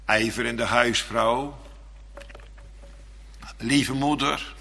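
A man's voice: medium pitch, fairly even intonation, drawn-out words, gravelly, pushed and bright, slight background noise. A male minister delivering an earnest, repetitive Reformed sermon in a church. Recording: long church reverb.

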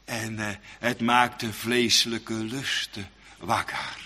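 A man preaching a sermon in a dramatic, emphatic style, with sudden loud outbursts. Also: lowish voice, takes it slowly, husky, in a large hall.

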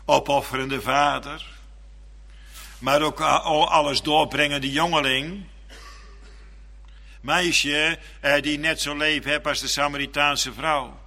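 A man's voice: fairly high pitch, steady tone, slow pace, long pauses, pushed and bright. A male minister delivering an earnest, repetitive Reformed sermon in a church. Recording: long church reverb.

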